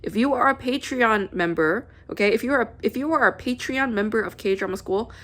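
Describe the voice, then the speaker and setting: A woman's voice: on the high side, a little fast, fairly bright tone. A woman podcast host talking casually to her listeners, chatty and repeating herself for emphasis.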